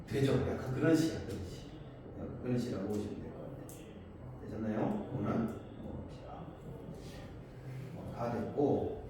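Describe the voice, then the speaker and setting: A man's voice: mid-range voice, darkish tone. A man teaching a class on Korean poetry, asking his students questions and answering them himself. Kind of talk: classroom lecture explaining poems. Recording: echoey room from far off, faint noise.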